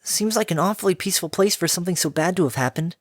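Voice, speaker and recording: Smirky tomboy pony kid, cocky but awkward, pitched up, a guy doing the voice. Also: fast talker, dry recording, studio quality. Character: brash tomboyish young filly pony.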